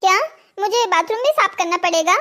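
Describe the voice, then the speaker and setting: A naive, dutiful cartoon boy as a woman plays him. The voice is extremely high and childlike, polite and earnest in delivery. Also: fairly quick, sharp tone. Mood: polite, uneasy. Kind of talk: scripted cartoon story dialogue.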